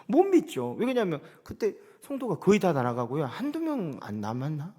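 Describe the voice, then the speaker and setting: High, lively-voiced male pastor preaching. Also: normal speed. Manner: dramatic, swings from loud preaching to soft asides. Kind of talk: sermon.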